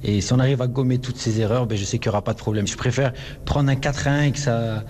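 A man's voice: mid-range voice, fairly even intonation, a little mellow. A man, a footballer, answers questions after a match and keeps restarting his sentences. His voice sits in the middle range. A faint hiss sits under the recording. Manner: halting, many restarts. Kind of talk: post-match interview. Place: stadium interview area.

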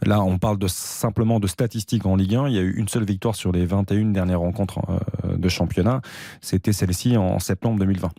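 Man, lively sports commentary, quick pace, dark mellow tone, radio pundit. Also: deep voice, slightly rough, no room sound, studio quality.

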